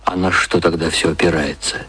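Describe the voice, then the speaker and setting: An actor playing a naive, unsettled male employee in a radio drama, asking halting, baffled questions. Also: low voice, steady tone, bright, forceful tone, breathy edge, full character voice. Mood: confused, probing.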